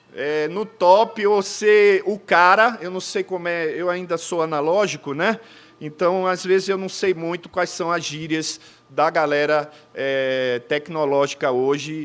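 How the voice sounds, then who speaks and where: Against noticeable background noise, a man with a high pitch speaks at a fairly slow pace. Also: ordinary pitch variation. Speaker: pastor. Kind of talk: sermon.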